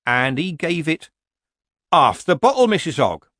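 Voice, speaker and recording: A man's voice: a little high, big pitch swings, fairly bright tone, dry recording, clean studio sound, voice pushed up, exaggerated voice. A man voicing a nervous, complaining male villager who stumbles over his words. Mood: flustered. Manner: anxious, flustered, halting.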